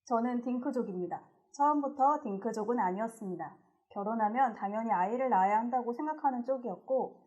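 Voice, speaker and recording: A woman co-hosting a talk show who reads a viewer's story aloud in a steady, earnest voice and then chats casually about housing costs. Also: fairly high pitch, dull audio. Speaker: co-host.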